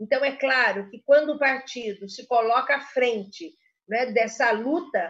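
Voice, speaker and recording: A high-pitched woman at a fairly slow pace. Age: 60s. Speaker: former government minister, social worker. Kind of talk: panel discussion. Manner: halting.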